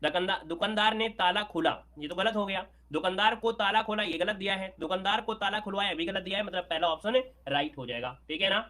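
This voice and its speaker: A man teaching Hindi grammar for an exam, working through questions aloud, repeating words and checking that it is clear. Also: high-pitched, fairly quick, few pauses, bright, forceful tone. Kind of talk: exam prep lesson.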